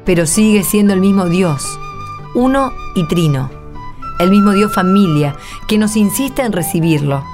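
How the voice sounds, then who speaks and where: An actress with an Argentine accent playing a playful, firm, kindly nun in a radio drama. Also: female voice, medium pitch, lively intonation, a little slow, over music, close to an everyday voice. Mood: earnest. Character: playful, brisk religious sister, kindly and firm. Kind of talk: radio drama acting and narration.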